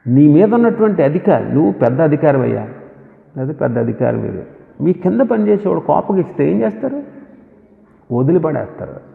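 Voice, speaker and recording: Gravelly preacher in an echoey hall. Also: male voice, fairly high pitch, big pitch swings, a little fast. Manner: emphatic, asks the listeners questions. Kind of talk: sermon. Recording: echoey hall on a tinny phone-like line.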